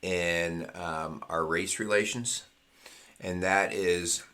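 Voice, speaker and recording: A man's voice: low-pitched, fairly even intonation, slow pace, bright, forceful tone. A middle-aged man co-hosting a Christian marriage podcast, talking earnestly in a casual way and repeating phrases for emphasis. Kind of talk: casual conversational podcast talk.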